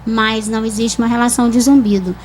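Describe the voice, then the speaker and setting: A woman with a Brazilian accent, a speech therapist calmly explaining voice and articulation in a TV interview. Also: a little high, quick pace, a little hiss or hum, rough recording. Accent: Brazilian Portuguese. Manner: calm, didactic explanations with examples.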